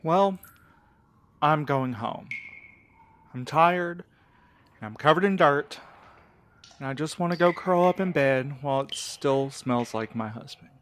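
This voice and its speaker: Performer as blunt, stubborn courier, medium pitch. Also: lively intonation, measured pace, pauses often, a little hiss or hum, lightly acted. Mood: fed up. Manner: blunt, insistent. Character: stubborn, practical night courier, tired and impatient. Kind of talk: audio drama dialogue.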